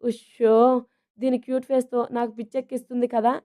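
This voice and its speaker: A woman narrator voicing a stern, teasing young husband in a romantic storybook, with a gruff, bossy manner. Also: a little high, level tone, fairly quick, warm tone, close to an everyday voice.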